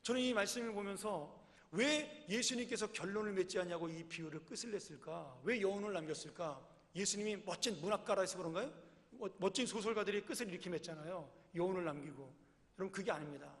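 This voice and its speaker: Man, pastor, sermon in a church, high voice, rhetorical questions, long hall reverb. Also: fast, a bit bright. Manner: conversational preaching with rhetorical questions to the congregation. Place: church sanctuary.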